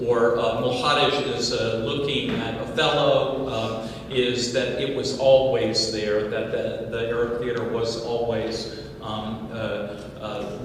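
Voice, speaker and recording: A man's voice: medium pitch, noisy background. A man speaking as a panelist in a scholarly way, listing examples with hesitations. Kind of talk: panel discussion. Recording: echoey hall, distant mic.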